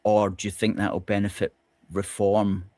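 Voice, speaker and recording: A man hosting a political discussion, measured and questioning, with hesitant fillers. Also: lowish voice, level tone, darkish tone, no room sound. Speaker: host.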